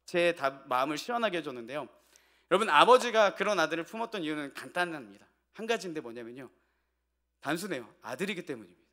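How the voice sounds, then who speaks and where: The pastor's bright, forceful voice, pitched a little above most men's, carries a homely family tale through an evening sermon. He talks it over with the congregation as he goes and occasionally poses rhetorical questions to them.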